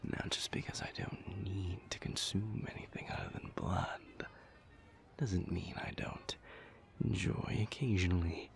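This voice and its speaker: A man playing an urbane, old-souled vampire lover in an intimate audio roleplay, wry and tender, speaking in languid, formal phrases with a breathy murmur. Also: expressive, unhurried, in a whisper, heavily acted. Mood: amused. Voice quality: breathy, low, creaky.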